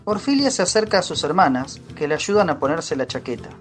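Low-voiced woman narrating a radio drama. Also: sing-song, brisk. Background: faint music.

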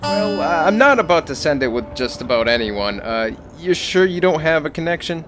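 A man acts a worried, fussy insurgent middleman in a sci-fi audio drama. His voice sits fairly high, arguing hesitantly over faint background music. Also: sing-song, moderate pace. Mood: doubtful. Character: anxious, fussy male insurgent go-between haggling over contraband.

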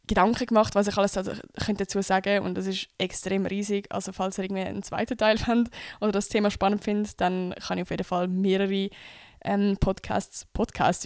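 A woman's voice: medium pitch, darkish tone, dry recording, studio quality. A young woman from Switzerland with a Swiss accent, hosting a podcast in a chatty, casual way, full of fillers and English slang words. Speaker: podcast host.

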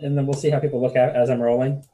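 A man's voice: mid-range voice, little pitch movement, very fast, dark tone, poor audio. A man playing a tabletop game, easygoing while rolling dice and sorting out healing. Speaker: player. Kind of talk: casual tabletop game chat.

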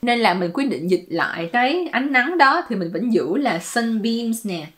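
A woman's voice: a little high, animated, a little slow, a bit bright. A woman, giving casual, playful commentary as a YouTuber explaining her song-lyric translations and dropping English words into her talk.

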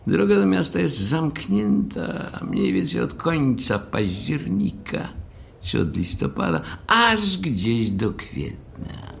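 Sztywny, wyniosły dyrektor hotelu, lekko chropawy. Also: male voice, a little high, very animated, takes it slowly, creaky, full character voice. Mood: pompous lecturing. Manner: formal, condescending, hesitant openings. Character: stiff, self-important, balding hotel manager, frank and cold. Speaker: actor in an audio drama. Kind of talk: audiobook drama dialogue.

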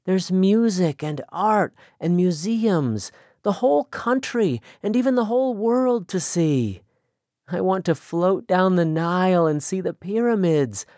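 A man's voice: high voice, very animated, a little slow, darkish tone, no echo, pitched above the performer's own voice. A man voicing an eager young Amish woman. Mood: excited. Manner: earnest, pleading, eager. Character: spirited young Amish woman, restless and idealistic.

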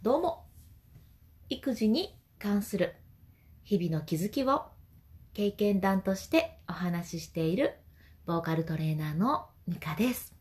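女性ボーカルトレーナーの発声レッスン. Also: female voice, mid-range voice, animated, measured pace, long pauses. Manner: gentle explanatory talk with sung demonstrations. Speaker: vocal trainer. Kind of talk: voice training lesson.

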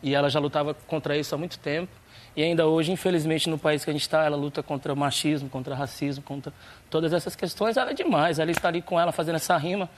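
Fast-talking Brazilian man, high voice. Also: steady tone, slight background noise. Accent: Brazilian Portuguese. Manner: fast, earnest and informal. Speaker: guest rapper. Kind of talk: casual studio interview. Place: TV studio.

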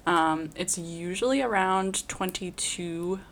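A woman with a slightly low voice co-hosts a podcast. Her delivery is casual and easygoing, in an informal conversational style. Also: slow pace, slight background noise. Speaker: podcast co-host. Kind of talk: casual chat.

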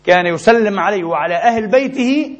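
A man preaching a sermon in a mosque, impassioned and emphatic, with sharp rises in his delivery. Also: high-pitched, lively intonation, a little fast. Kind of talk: Friday sermon. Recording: dull lo-fi recording.

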